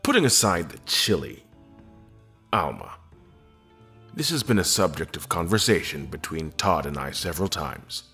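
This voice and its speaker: A man acts a reserved, courteous admiral in a sci-fi radio play. The voice is extremely deep and husky, with formal, carefully worded phrasing. Faint music plays behind him. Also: sing-song, pushed and bright, exaggerated voice. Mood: thoughtful. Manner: formal, measured, articulate. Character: dignified, reserved space admiral, a courteous captive. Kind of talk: audio drama acting.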